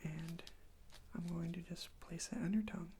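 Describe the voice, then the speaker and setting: A softly whispering ASMR performer playing a medical examiner, gently reassuring and giving step-by-step instructions in a breathy voice. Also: medium pitch, steady tone, normal speed. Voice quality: breathy whisper with some creaky fry. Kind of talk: ASMR role play, soft whispering to the listener. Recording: faint background noise.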